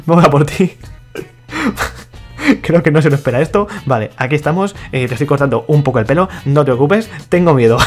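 A young man from giving casual, playful commentary over gameplay, laughing often and reading other players' chat aloud. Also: mid-range voice. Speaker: gaming YouTuber.

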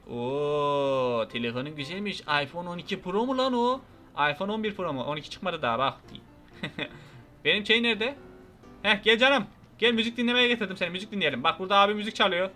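A man giving lively, excitable commentary over his gameplay, joking and shouting at the characters on screen. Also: high-pitched. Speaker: gaming YouTuber.

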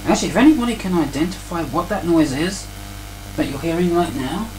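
A man's voice: fairly high pitch, animated, a little fast, darkish tone, faint music behind, rough recording. Grumpy, sarcastic hobbyist man. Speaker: hobbyist radio builder. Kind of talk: casual demo narration. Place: indoor workbench.

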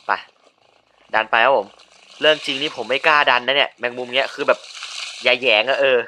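Bright-voiced chatty male game caster. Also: mid-range voice, steady tone, brisk, slight background noise. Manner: chatty, bursts into sudden yelps and shouts. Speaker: gaming video host. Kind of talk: casual let's-play commentary.

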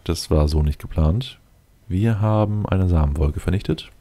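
A man's voice: low-pitched, normal speed, mellow. A man giving casual gameplay commentary, thinking aloud and muttering to himself as he plays. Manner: muttering to himself, addressing game units directly. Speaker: let's player commenting on his game.

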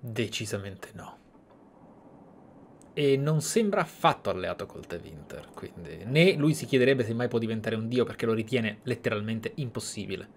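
A man's voice: fairly low pitch, animated, moderate pace, a little hiss or hum. A man giving reflective, explanatory commentary as he streams a roleplay game. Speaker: gaming streamer and host.

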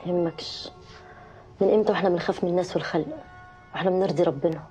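An actress playing a tender, anxious wife in a screen drama, speaking softly with an Egyptian accent. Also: female voice, on the low side, racing, close to an everyday voice. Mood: concerned. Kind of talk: naturalistic screen drama acting. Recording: dull muffled sound, faint music.

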